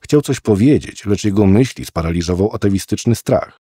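Deep husky guy reading a horror audiobook, dark tone, dry studio sound. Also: lively intonation, a little fast, dry recording. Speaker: audiobook narrator. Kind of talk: scripted narration.

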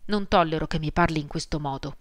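A woman's voice: deep voice, quick pace, dry recording, close to an everyday voice. A woman reading the lines of a proud, domineering older aunt in an audiobook, indignant and commanding.

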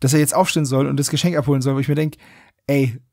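A male podcast host talks in a relaxed, conversational way. His voice is rather husky and mid-pitched, and the sound is dry with hardly any room to it. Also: rapid-fire, no echo. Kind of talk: casual podcast chat.

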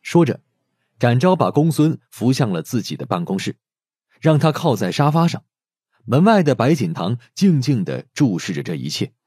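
A man's voice: medium pitch, big pitch swings, normal speed, a little mellow, slightly rough, no room sound, studio quality. A man narrating a scripted audio drama as a dramatic storyteller. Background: background music.

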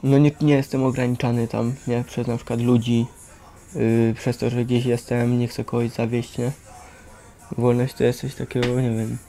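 A man's voice: mid-range voice, level tone, normal speed, mellow. A young man chatting casually in slangy, hesitant phrases that often end in tag questions.

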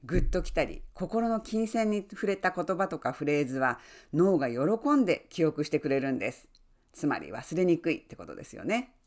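A woman who works as an online English coach, giving friendly, encouraging advice and often adding soft tag words as she talks. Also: deep voice. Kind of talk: advice talk to camera.

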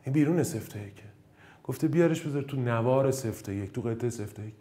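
A man from Iran teaching an exam-prep math lesson, joking and swinging between loud bursts and low muttering.

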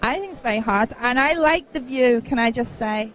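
A woman in her thirties, hoarse from losing her voice, flirtily interviewing cosplayers with a handheld mic in a busy convention hall. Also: on the high side, moderate pace, slight background noise. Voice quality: husky. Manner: flirty, playful, laughs often. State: hoarse, lost voice.

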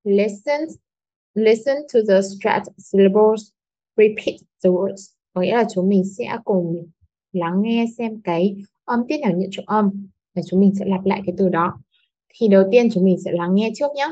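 A woman's voice: mid-range voice, normal speed, mellow, lo-fi sound. A young woman teaching a school English lesson online, explaining patiently step by step and often checking that her pupils follow. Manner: patient, explains step by step, asks "đúng không".

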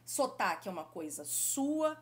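A middle-aged woman from Brazil with a Brazilian Portuguese accent, teaching French in a video lesson and talking straight to the viewer in an affectionate, lively way. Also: medium pitch, measured pace. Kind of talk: YouTube language lesson.

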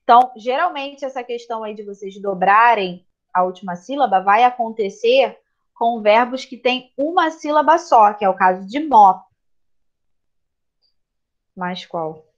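A woman teacher with a Brazilian Portuguese accent explains grammar to her class, stopping often to check that students follow. Her voice sits fairly high. The audio is slightly dull and lo-fi, as from a computer mic in an online class. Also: a little slow. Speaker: English teacher.

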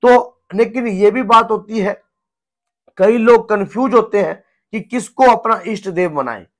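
A hoarse man in his thirties, a spiritual guru giving an earnest devotional teaching talk at home. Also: high-pitched, measured pace. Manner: earnest, gesturing, repeats himself. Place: home room with a shrine, indoors.

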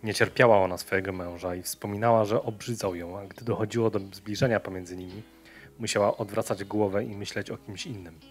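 A man reading a scripted true-crime story in a measured storytelling manner. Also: lowish voice, fairly even intonation, faint music behind. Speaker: narrator of a true-crime channel.

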